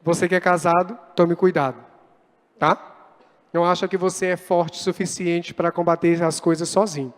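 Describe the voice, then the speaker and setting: A man with a very high-pitched voice delivers an animated sermon, slipping into quoted voices as he tells his stories. His words ring out through a church hall with a long reverb trailing behind them. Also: moderate pace. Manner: animated, acts out quoted dialogue. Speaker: pastor.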